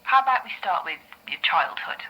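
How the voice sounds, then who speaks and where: Give me a gentle, encouraging therapist with a bright, breathy, lilting voice. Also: female voice, on the low side, lively intonation, brisk, full character voice, poor audio. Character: calm, patient female therapist. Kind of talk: audio drama acting.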